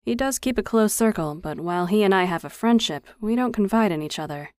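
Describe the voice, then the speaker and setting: A calm, plainspoken older mountain woman, as a female narrator voices her. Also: medium pitch, brisk, dry recording, clean studio sound, lightly acted. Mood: gentle.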